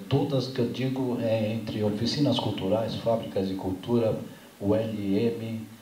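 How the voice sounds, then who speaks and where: A man's voice with fairly even intonation at a fairly slow pace, with audible room echo and noticeable background noise. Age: 70s. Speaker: arts administrator and film technician. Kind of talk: panel discussion. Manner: halting, many fillers.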